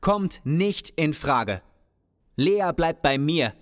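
An actor playing a stubborn, protective loner bookkeeper in an audio drama, defensive and irritable. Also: male voice, on the high side, animated, drawn-out words, in a large hall. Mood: stubborn, annoyed.

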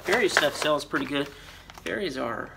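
A man's voice: fairly high pitch, lively intonation, normal speed, creaky. A middle-aged American man giving casual, unscripted commentary while unboxing, rambling and thinking aloud. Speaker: vlogger, storage auction buyer and reseller. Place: storage unit with concrete floor. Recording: noisy handheld recording, crinkling and clicks. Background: loud rustling, crumpling and clicking.

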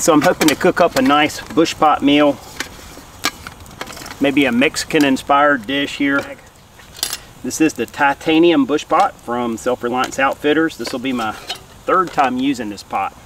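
A mid-range male voice belongs to a bushcraft host in his forties, casually explaining his tasks while working with his hands in a forest camp. He's relaxed, offering informal outdoor instruction. Captured by a camera a few feet away, he sounds somewhat distant over faint outdoor noise.

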